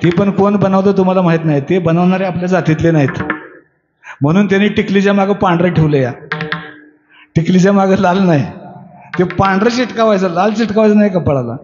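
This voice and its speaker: A man's voice: high-pitched, brisk, darkish tone, soft background music. A man giving a devotional sermon to a crowd as a kirtan preacher, preachy and constantly quizzing his listeners. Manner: preachy, keeps asking the audience questions. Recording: echoey, dull hall sound.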